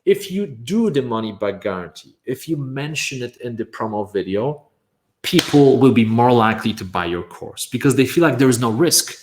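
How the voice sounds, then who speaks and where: A man from Poland, Polish his first language, giving an energetic online workshop on making courses, stressing points with "right?" and repeated "bam". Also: medium pitch, normal speed, echoey room.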